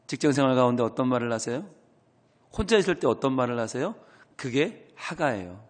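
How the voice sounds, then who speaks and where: A man's voice: mid-range voice, big-room sound. A male pastor giving an early-morning prayer sermon, earnest and full of rhetorical questions, breaking into acted-out prayers. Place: church sanctuary.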